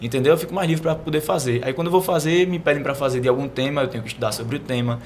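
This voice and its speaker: A man's voice: mid-range voice, very fast, a little hiss or hum. Brazilian man explaining poetry. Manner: explanatory, repeats "né" and "entendeu". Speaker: poet guest. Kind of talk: casual interview.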